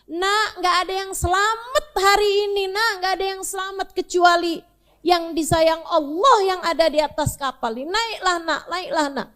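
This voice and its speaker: A woman's voice: extremely high pitch, moderate pace, fairly bright tone, pitched above the performer's own voice. A woman preacher voicing a grieving old prophet who pleads tenderly with his son, in a raised voice. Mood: pleading.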